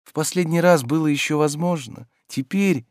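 A man voicing a weary, gentle landowner who pleads softly and shrinks back, in an audiobook reading. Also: a little high, normal speed, no echo, clean studio sound, pitched above the performer's own voice, natural voice. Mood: resigned.

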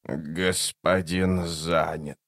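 A trembling monster of death. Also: male voice, flat delivery, gravelly, fairly bright tone, dry recording, clean studio sound, full character voice. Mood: sardonic. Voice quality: trembling, slow and low. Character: creaky decrepit death-servant monster, sardonic, sluggish.

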